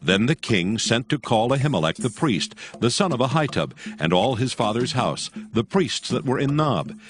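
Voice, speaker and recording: Deep-ish guy narrating bible drama, expressive ups and downs, music behind him. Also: moderate pace. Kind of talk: scripted scripture narration.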